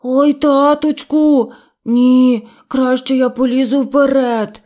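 A woman's voice: mid-range voice, unhurried, mellow, natural voice. A woman voicing a greedy, good-natured male bear cub who talks eagerly and stammers, for a storybook. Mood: wailing.

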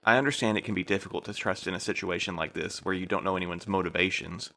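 A man playing a calm, patient middle-aged postmaster who interviews new couriers, speaking gently and in a measured way. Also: deep voice. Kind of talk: audio drama acting.

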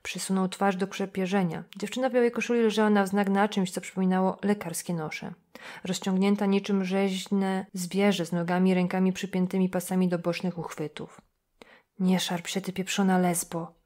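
Kobieta, lektorka audiobooka, czytająca powieść w spokojnym, wyważonym tempie. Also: female voice, medium pitch. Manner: measured, even reading. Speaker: audiobook narrator. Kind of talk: scripted novel narration.

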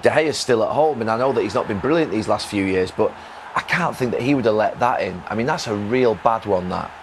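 A man's voice: lowish voice, animated, noisy background. A middle-aged man giving blunt football analysis in a TV studio on a lapel mic. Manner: brisk, blunt opinions. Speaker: football pundit. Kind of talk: post-match studio analysis. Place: TV studio above a stadium.

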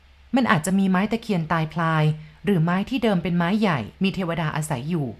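A woman's voice: fairly low pitch, a little fast, close to an everyday voice. Woman voicing a superstitious village neighbor. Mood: earnest. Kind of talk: ghost story narration.

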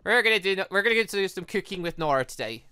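A man hosts a casual playthrough of a visual novel, chatting in a rambling way about what comes next and reading the on-screen text aloud. His voice is bright and his pitch swings widely. The sound is dry and close, with faint game music underneath. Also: expressive, fast, clear, resonant tone, dry recording. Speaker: let's-play host. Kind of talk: casual gameplay commentary.

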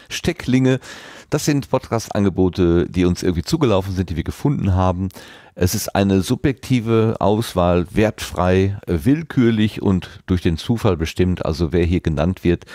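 A man's voice: deep voice, dark tone, no echo, studio quality. A man hosting a podcast in a casual, conversational way, with hesitant, self-correcting phrasing. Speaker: podcast host.

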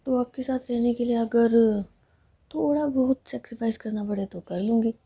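A devoted, teasing young woman in love, voiced by a woman narrator. Her voice is dark and husky and half whispered. She sounds like a figure in a homemade audio love story. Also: fairly high pitch, normal speed. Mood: affectionate.

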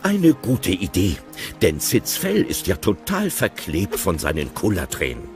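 Chatty male narrator, lively delivery. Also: deep voice, a little slow, faint music behind. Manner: chatty, playfully commenting. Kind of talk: scripted audio drama narration.

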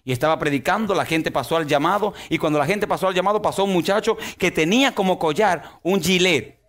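A man preaching a sermon as pastor, swinging from loud outbursts to soft drawn-out words. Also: high voice. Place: church.

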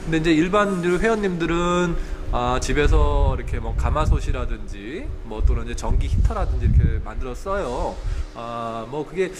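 A man conducting an on-site interview, asking halting, rambling questions in an indoor farm facility. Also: medium pitch. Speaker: interviewer visiting an organic farming cooperative. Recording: roomy echo, faint background noise.

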